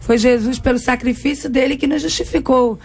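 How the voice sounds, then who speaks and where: A woman with a Brazilian Portuguese accent, her voice hoarse and worn after a conference. She pitches high and speaks in a steady, earnest preaching tone on a radio panel. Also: a little fast. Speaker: assistant pastor, debate guest. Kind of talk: radio debate.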